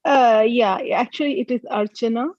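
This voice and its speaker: A woman from Texas, chatting on a group call in a friendly, quick, easygoing way. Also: fairly high pitch, darkish tone, no echo, muffled recording. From Austin, Texas, USA. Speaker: participant. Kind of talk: casual chat on a group call. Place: remote video call.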